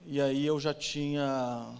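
This Brazilian church testimony speaker has a medium-pitched voice that is both gravelly and smooth, with fairly even intonation and a slow pace. Speaking in a reverberant hall, he recounts his experience emotionally, moving from loud to hushed.

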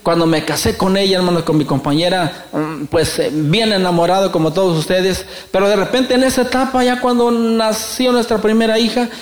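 A middle-aged man preaching a sermon, telling jokes and stories in a folksy, animated way. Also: high voice, a little fast, few pauses, echoey room. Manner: folksy, animated storytelling with joking asides. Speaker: pastor.

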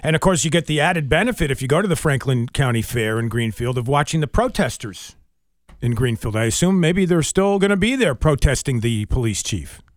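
A man's voice: medium pitch, lively intonation, brisk, no room sound, studio quality. A man who reads the news and banters on a morning radio show, chatty and full of questions. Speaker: radio news reader and co-host.

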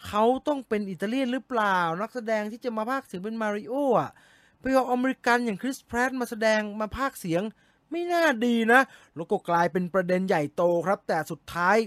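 A man hosting a casual movie news recap, chatty and given to sudden excited exclamations. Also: sits high, no room sound. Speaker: movie news show host.

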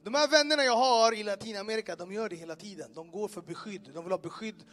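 A man telling his personal testimony to a live audience, animated, asking listeners questions and making sound effects. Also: high-pitched. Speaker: speaker giving a personal testimony. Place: in front of an audience in a room.

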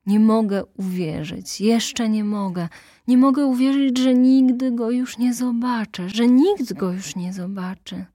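A woman's voice: a little high, steady tone, a little slow, warm tone, breathy edge, no room sound, clean studio sound, voice pushed up. A woman voicing a grieving young woman who pleads in tearful bursts and whispers, in an audiobook reading. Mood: anguished. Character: grieving young woman, Kurtz's fiancée, desperate.

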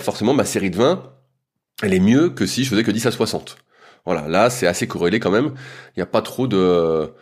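A man, a strength coach, explaining training in a loose, casual way with frequent hesitations and fillers. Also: on the low side.

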